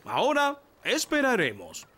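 A man's voice: very high voice, huge pitch swings, a little slow, fairly bright tone, full character voice. A man voicing a bossy, theatrical elf fishing captain in a Latin American Spanish cartoon dub.

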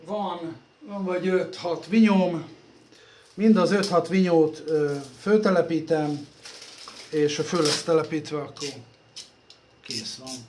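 A man chats casually as he works in a workshop, his voice sitting slightly high. He rambles, pokes fun at himself and lets his phrases trail off softly. A phone picks him up in an echoey room with faint ambient hum behind him. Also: fairly even intonation, long pauses. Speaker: computer repair vlogger. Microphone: phone camera.

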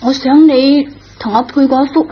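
High-voiced wheedling schoolgirl, played by a woman. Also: fairly even intonation, normal speed, a little hiss or hum, lightly acted. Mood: coaxing. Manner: coaxing, insistent. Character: wheedling, headstrong schoolgirl daughter. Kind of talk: radio drama acting. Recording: dull lo-fi radio recording.

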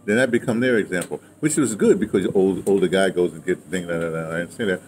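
An older man, about seventy, talks casually. His delivery rambles and halts, looping back on itself. He is recorded outside with clear ambient noise around him. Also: sits low, darkish tone. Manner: rambling, halting, repeats and circles back to his point. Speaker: interviewee, theater and radio drama veteran. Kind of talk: casual reminiscing conversation. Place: outdoors in a yard beside a house.

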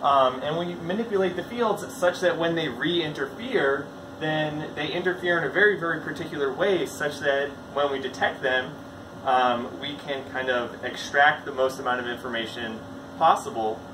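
A young man talks through his experiment casually, full of ums and rights. He stands back from the camera in a large lab, so his voice sounds distant and roomy. A clear air-conditioning hum runs underneath. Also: on the high side, normal speed. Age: young adult. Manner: relaxed and explanatory, with frequent ums and rights. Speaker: lab researcher giving a tour. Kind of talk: casual on-the-spot explanation. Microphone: camera a few feet away.

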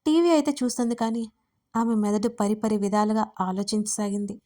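A woman reading her own romance story aloud as writer and narrator, in a steady, even storytelling manner. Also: medium pitch, a little fast.

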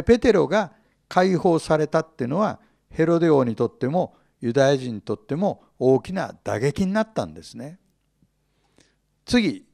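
A man's voice: fairly high pitch, gravelly, a little mellow, no room sound, clean studio sound. A man teaching the Bible in a sermon, reading scripture and retelling it with humor and chuckles.

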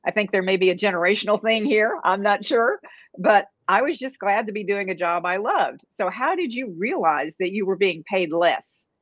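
A woman's voice: mid-range voice, lively intonation, moderate pace, a bit bright, dry recording. A woman hosting an interview over a video call, asking sympathetic, probing questions. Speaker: host. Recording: dry, dull video call audio.

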